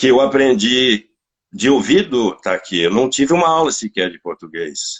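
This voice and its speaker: Moving at a moderate pace, a man at medium pitch uses very wide pitch swings, big swings in loudness and vocal fry. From France. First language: French (speaking Portuguese). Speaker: tourism professional. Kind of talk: interview. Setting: live stream.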